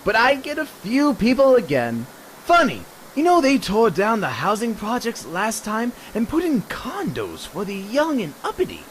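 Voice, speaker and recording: A man playing a maniacal, theatrical killer clown in a superhero radio drama, taunting and sing-song, swinging between hush and shriek. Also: high-pitched, huge pitch swings, normal speed, a little hiss or hum, poor audio. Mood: gleeful menace.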